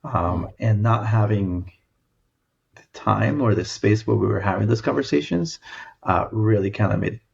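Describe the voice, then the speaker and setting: A man in his late forties from El Salvador with a gravelly, husky low voice. He talks thoughtfully as a podcast guest, often pausing and restarting, and the recording sounds slightly dull. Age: 40s. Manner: thoughtful, many fillers and restarts. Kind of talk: reflective conversation.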